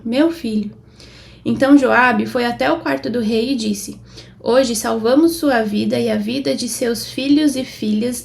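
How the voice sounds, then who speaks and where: A woman with a Brazilian Portuguese accent reading Bible passages aloud, with a steady delivery that lifts for quoted speech. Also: fairly high pitch, vocal fry. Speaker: Bible reader.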